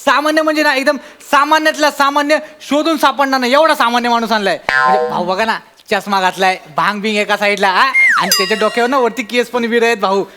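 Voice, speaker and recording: A fawning party worker, highish voice, keeps calming the boss, music behind. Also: male voice, fast talker, few pauses. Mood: eager. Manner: flattering, soothing, rambling. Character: fawning male party worker, eager and flustered. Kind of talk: stage comedy sketch.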